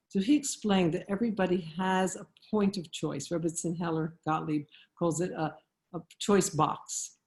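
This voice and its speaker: A woman's somewhat breathy, fairly low voice at a moderate pace, with ordinary pitch variation. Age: 70s. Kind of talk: online lecture.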